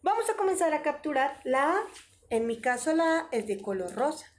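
A woman's voice: high-pitched, very animated, moderate pace. A woman teaching an online preschool lesson, talking in an exaggerated, sing-song, encouraging way.

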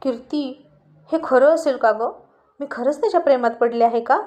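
A woman's voice: high voice, moderate pace, a little mellow, natural voice. A woman voicing a dreamy, lovestruck young woman, bewildered and shy.

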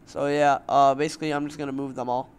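Young male gamer host, casual rambling commentary, slightly raspy morning voice, mid pitch, faint hum behind. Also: level tone, quick pace. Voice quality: loose, rambling, filler-heavy. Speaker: let's play host.

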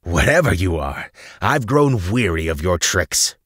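Guy doing furious necromancer villain for a fantasy audiobook, loud bellowing threats, spitting venom, really dry sound. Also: low voice, very animated, a little slow, breathy edge, no room sound, exaggerated voice. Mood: desperate wrath. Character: wrathful male necromancer villain, defiant and menacing. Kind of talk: dramatic fantasy audiobook character.

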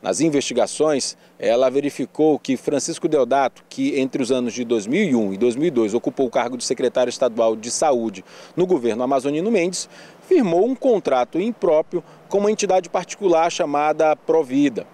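A male reporter in his forties with a northern Brazilian accent, reading a news report in a steady, explanatory way. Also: medium pitch, normal speed. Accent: Brazilian Portuguese, northern.

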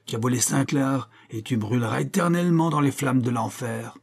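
A man voicing an unhinged old male hermit with a raspy, stammering voice, shrieking and ranting in an audiobook. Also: medium pitch, normal speed, pitched above the performer's own voice. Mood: raving. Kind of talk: audiobook character voice.

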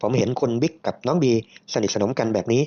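A man voicing an excitable businessman partner who exclaims eagerly as he talks. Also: medium pitch, quick pace, husky, lo-fi sound, lightly acted.

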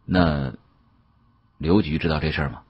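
Male narrator as guarded shopkeeper in an audiobook: wry, colloquial, low and very husky. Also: normal speed, highs cut off. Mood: wary. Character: guarded, plain-spoken male antiques shopkeeper.

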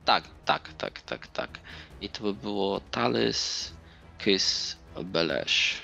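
A man's voice: fairly low pitch, lively intonation, slow pace, vocal fry, pushed and bright. A man playing a tabletop role-playing game, hesitant and thinking aloud in casual talk. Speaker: player. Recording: music under the voice. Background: background music.

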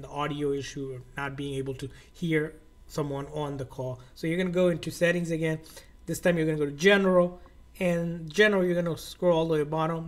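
Slightly high-pitched man giving tech instructions. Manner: instructional, informal, repetitive phrasing. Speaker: tech tutorial host. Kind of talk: step-by-step how-to narration.

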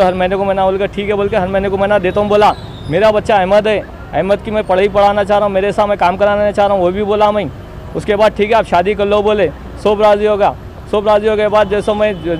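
A man's voice: sits high, a little mellow. A young man with a Hyderabadi accent giving an insistent, repetitive, self-justifying statement to reporters outdoors. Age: young adult. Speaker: interviewee giving a statement to local news. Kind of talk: spoken personal testimony to reporters. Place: outdoors beside a street wall. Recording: outdoor street noise behind.

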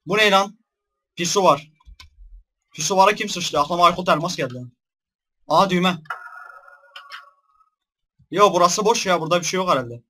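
A young man giving let's-play commentary on a horror game, jumpy and shouting in fright, then joking. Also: high-pitched. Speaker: gaming YouTuber.

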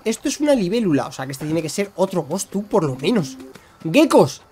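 Young male streamer, high and animated, excitable running play-by-play. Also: a little fast, breathy edge. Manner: excitable, talks to himself and the creatures. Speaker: gaming streamer. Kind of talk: live gameplay commentary.

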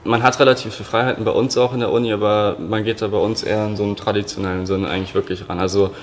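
A man's voice: fairly low pitch, little pitch movement, racing, a little hiss or hum. A man in his twenties from Munich, a stage design student, talking casually in an interview with lots of filler words. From Munich, Germany. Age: 20s. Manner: loose, filler-heavy, many "irgendwie". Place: indoor studio room.

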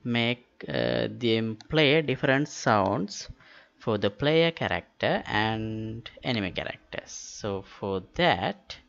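Sri guy doing a software tutorial, slow n halting, bit gravelly, muffled lo-fi mic. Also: medium pitch, expressive. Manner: halting, matter-of-fact. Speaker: tutorial host. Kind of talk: step-by-step software tutorial narration. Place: indoors, screen-recording voice-over. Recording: dull lo-fi voice-over with clicks.

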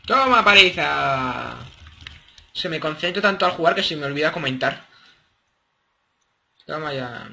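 Excitable gaming man, sharp voice. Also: a little high, normal speed, vocal fry. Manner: excitable, playful, coos at his game creatures. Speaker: gameplay commentator. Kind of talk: casual gameplay commentary.

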